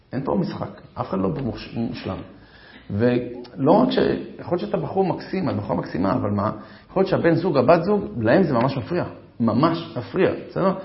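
Gravelly man giving a lively talk. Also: mid-range voice. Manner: lively storytelling, jokes about himself, speaks straight to listeners. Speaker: lecturer on marriage and self-improvement. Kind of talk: humorous talk to an audience. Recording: roomy echo, dull lo-fi sound.

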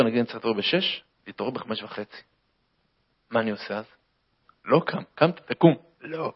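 A man telling a comic story and drawing a moral from it in an animated, lecturing way, on a dull lo-fi recording. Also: mid-range voice, creaky, husky.

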